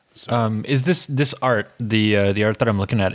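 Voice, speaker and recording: At a moderate pace, a man with a Canadian accent speaks in a normal speaking voice at medium pitch. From Ontario, Canada. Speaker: podcast co-host and dungeon master.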